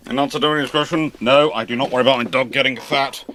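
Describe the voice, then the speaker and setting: A man's voice: mid-range voice, fairly even intonation, quick pace, sharp tone, slight background noise. A man with a Scottish accent hosting a live naval history Q&A, chatty and rambling, laughing at his own jokes. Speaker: naval history channel host. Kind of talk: casual live Q&A chat.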